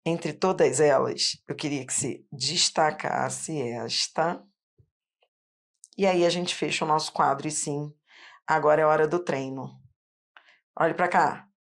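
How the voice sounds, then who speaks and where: Slow and low-pitched, pausing often, a woman teacher from Rio guides students step by step through an online phonetics lesson at a board. She has a Carioca Brazilian Portuguese accent and a patient manner.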